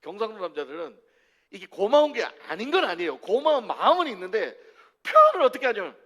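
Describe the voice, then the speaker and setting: A man's voice: sits high, huge pitch swings, quick pace, sharp tone. A man from Korea preaching a sermon as pastor, asking rhetorical questions and mixing humor into his preaching.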